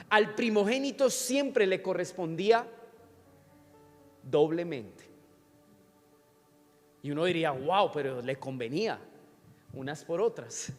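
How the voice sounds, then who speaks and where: A man, preaching a sermon in church and often asking the congregation questions. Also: sits high. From Colombia. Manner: teaching with frequent questions to the congregation. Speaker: pastor. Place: church sanctuary. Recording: church hall reverb with faint music.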